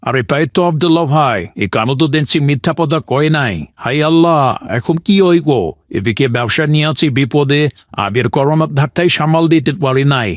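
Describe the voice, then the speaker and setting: A man's voice: on the high side, brisk, dry recording, studio quality, natural voice. A man voicing an anxious, gullible village trader in a cartoon, fretful and exclaiming, with a Bangladeshi accent. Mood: worried. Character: anxious debt-ridden male village trader, gullible uncle. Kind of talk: cartoon character acting.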